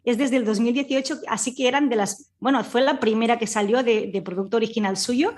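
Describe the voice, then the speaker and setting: Female podcast guest, Spain accent, higher-pitched voice, informal and talkative storyteller. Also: fairly quick, a little mellow. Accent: Spanish from Spain. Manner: chatty, informal, with colloquial asides. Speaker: guest, audio fiction scriptwriter. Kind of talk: casual conversational storytelling.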